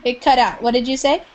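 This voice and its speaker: Lady teacher on a video call, kinda high voice, keeps asking her students stuff. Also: a little mellow. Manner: encouraging, asks many questions. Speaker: English teacher. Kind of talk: online group class.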